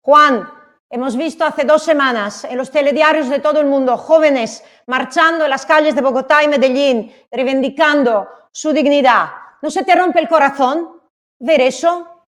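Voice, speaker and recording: A woman's voice: high-pitched, normal speed. A woman hosting a virtual awards event, putting questions to guests as the interviewer. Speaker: host, interviewer.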